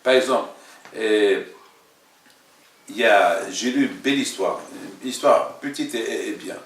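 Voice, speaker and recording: A rabbi with a lowish, fairly bright voice gives an informal religious lesson, fielding questions. He speaks haltingly and with emphasis, repeating phrases, and the echoey room and distant microphone are audible.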